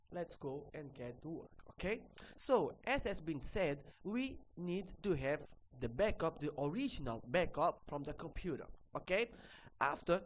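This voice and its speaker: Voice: medium pitch, slight background noise, low-quality recording. Instructor. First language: Portuguese. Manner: ends phrases with a questioning "okay?", repeats himself. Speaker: repair course instructor. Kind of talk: screen-recorded tutorial walkthrough.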